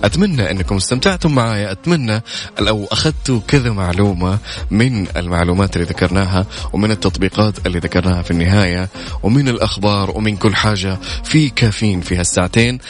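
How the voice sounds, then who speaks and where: A man's voice: on the low side, fast. A man with a Saudi accent hosting a casual morning radio show in a chatty way, dropping in English phrases. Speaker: radio host. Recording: music behind the voice. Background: music.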